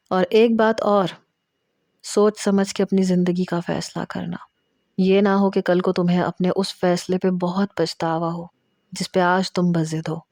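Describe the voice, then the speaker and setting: A woman's voice: on the low side, warm tone, no echo, studio quality, natural voice. Woman narrator doing a cold, cautioning young female cousin in a storybook.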